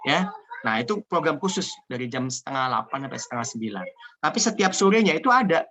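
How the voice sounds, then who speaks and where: A man from Indonesia giving an energetic, joking motivational business talk over a video call. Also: medium pitch, fast talker, a little hiss or hum. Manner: energetic, joking, repeats "ya" often. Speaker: seminar speaker.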